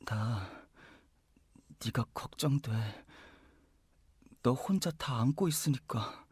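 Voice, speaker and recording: Caring young man, radio drama, slow n soft, kinda breathy, hesitant and tender. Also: mid-range voice, animated, no echo, clean studio sound, heavily acted. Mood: gentle concern. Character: gentle, caring young man, a loyal friend. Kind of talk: audio drama acting.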